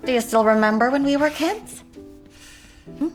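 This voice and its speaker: A woman's voice: sits high, normal speed, soft background music, natural voice. An actress playing a wry, teasing young woman in dubbed film dialogue.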